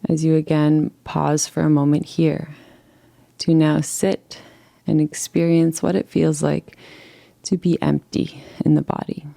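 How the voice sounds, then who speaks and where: Woman, meditation guide, lowish pitch, soft mellow tone, soothing guided relaxation, slow phrases with long pauses. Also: little pitch movement, gravelly.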